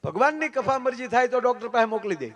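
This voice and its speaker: A man telling folk jokes on stage, swinging from hushed asides to loud, sermon-like declamation. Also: very high-pitched, very animated, fast. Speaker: folk comedian and storyteller. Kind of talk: folk humor stage storytelling.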